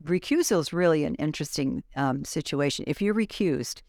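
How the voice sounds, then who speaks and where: A woman's voice: sits low, animated, fairly quick, a little mellow, dry recording, clean studio sound. A woman guest explaining at length in casual chat, with asides and self-corrections. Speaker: guest, former grand juror.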